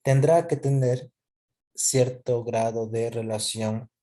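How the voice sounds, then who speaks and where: A man's voice: medium pitch, steady tone, slow pace, dark tone. A man teaching a lesson, explaining step by step, posing questions and answering them himself with frequent check-in tags.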